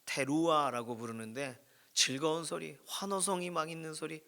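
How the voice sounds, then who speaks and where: A middle-aged man preaching a sermon as pastor, expressive, rising and dropping his voice to near whisper. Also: fairly high pitch, normal speed. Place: church prayer room.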